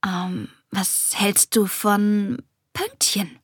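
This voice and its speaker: A woman voicing an excited young girl in a storybook reading, pitching her voice up, breathy and close. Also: extremely slow, no echo. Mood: gentle. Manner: high, excited, stammering. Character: excited young girl who can suddenly fly.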